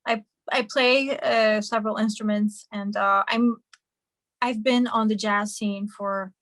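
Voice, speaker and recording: A woman's voice: mid-range voice, fairly even intonation, a little slow, fairly bright tone, no room sound. Young woman from hungary, chatty musician, lots of ums, dry close sound. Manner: chatty, many fillers and restarts. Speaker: singer and musician guest. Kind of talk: casual interview answers.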